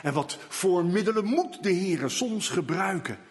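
A man preaching a sermon in slow, emphatic delivery, now and then rising to loud calls. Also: high voice, animated, husky, in a large hall.

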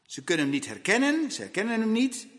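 A man delivers a sermon in a fairly high voice that swings widely in pitch. He talks slowly and emphatically, repeating phrases and pausing dramatically. The long reverb of a church hall surrounds him. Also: wildly swooping pitch, a bit bright. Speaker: preacher.

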